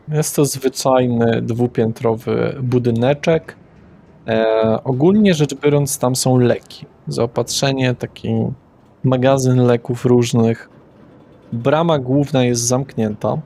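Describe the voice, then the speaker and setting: A man narrating a tabletop game as its game master, his voice sitting in an ordinary middle pitch. He describes places loosely, pausing on fillers and correcting himself as he goes. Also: mellow.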